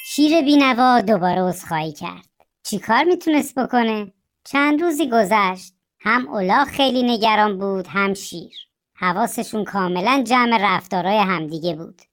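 A woman reading a children's story aloud in an expressive storytelling manner. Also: medium pitch.

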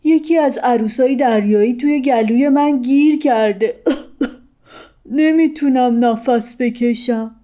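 A woman voicing a large, tired whale in a lower, strained voice. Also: mellow, close to an everyday voice. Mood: weary. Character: big tired whale, struggling to breathe.

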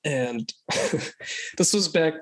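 A young man from Thailand, a podcast guest, talking in a slow, hesitant, thoughtful way with many restarts. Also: on the high side, animated. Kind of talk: casual interview chat.

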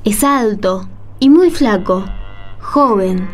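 A woman playing a gentle, courteous, devout young female disciple in a Spanish-language radio play. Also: medium pitch, lively intonation, slow, faint music behind. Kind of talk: radio play dialogue acting.

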